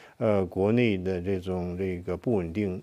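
A man's very deep, low voice, monotone and flat, with a dark, mellow tone and a fairly slow pace. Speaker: international affairs researcher; guest commentator. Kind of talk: TV interview. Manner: hesitant, many fillers. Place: studio. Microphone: lapel.

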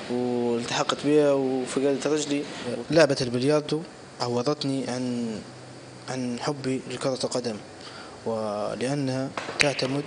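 Speech comes very slowly in an eastern Libyan accent, with long, frequent pauses and monotone, flat intonation. Noticeable background noise runs underneath. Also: man. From Libya, Benghazi. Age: 20s. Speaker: media student, wounded war veteran. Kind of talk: personal testimony in a news feature; interview answer. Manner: halting, with repetitions. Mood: reflective, calm. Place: cafe. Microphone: lapel.

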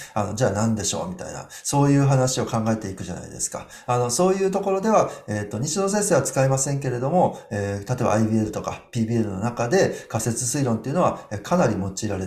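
A man talks at a fairly quick pace with hardly any pauses and very wide pitch swings. Audible room echo surrounds his voice. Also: quiet background. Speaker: education researcher. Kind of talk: lecture. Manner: frequent fillers, halting; polite formal. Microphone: webcam.

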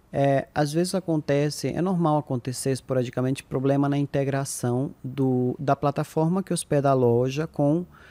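With hardly any pauses, a man talks at a fairly high pitch in a dark, mellow tone and fairly even intonation. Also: moderate pace. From Uruguay. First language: Spanish (speaking Portuguese). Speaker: makeup artist and entrepreneur; podcast guest. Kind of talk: podcast interview. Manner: halting. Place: studio. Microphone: studio mic.

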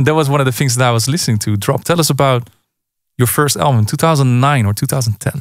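In a very clean recording with a silent background, a man talks at a fairly quick pace in a normal speaking voice, his loudness very even and his pitch varying in an ordinary way. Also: medium pitch for a man. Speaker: podcast host. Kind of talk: casual interview. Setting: studio.

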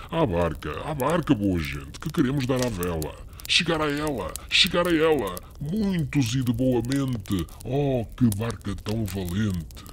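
Over clear background noise, someone puts on a character voice and speaks at a fairly slow pace. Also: man, medium pitch for a man. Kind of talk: archaic Portuguese verse drama. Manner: mocking, gleeful, commanding.

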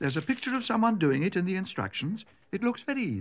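The clip features a natural reading voice.

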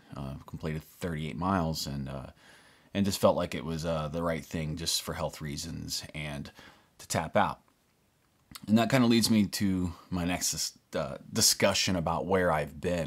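The voice carries vocal fry. The background is quiet. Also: man, very deep, low pitch for a man, ordinary pitch variation, fairly slow pace, big swings in loudness. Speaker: running vlogger. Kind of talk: casual vlog chat. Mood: reflective, mildly rueful. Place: home room.

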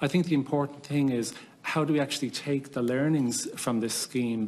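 There is light background noise as a man speaks with an Irish accent. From Ireland. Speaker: government department official. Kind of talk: committee testimony. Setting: committee hearing room. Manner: formal. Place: meeting room.

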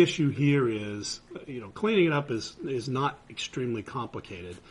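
Lively intonation marks this man's speech at a moderate pace. He sounds somewhat breathy. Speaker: police chief. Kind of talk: formal presentation to a board. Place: meeting room.

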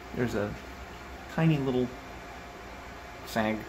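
A man talks with very wide swings in pitch while noticeable noise runs in the background. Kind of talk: casual vlog chat. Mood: pleased, lightly humorous. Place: office. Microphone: phone near.

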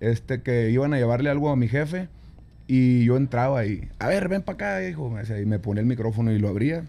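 A man's dark, mellow voice at a fairly quick pace. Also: lively intonation. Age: 30s. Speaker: regional Mexican musician and former radio announcer; interview guest. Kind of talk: casual interview; interview answer. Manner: repetitive, stammering restarts. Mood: relaxed, animated storytelling. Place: studio. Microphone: studio mic.

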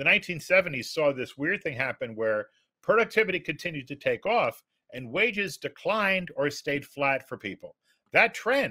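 A man's voice with vocal fry and very wide pitch swings, at a moderate pace over a quiet background. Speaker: journalist guest. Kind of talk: interview answer. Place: home room.

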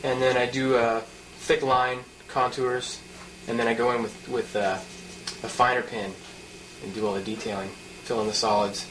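Over noticeable background noise, a man keeps a moderate pace, broken by long, frequent pauses. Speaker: comic artist. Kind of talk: interview answer. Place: home room. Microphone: old recording.

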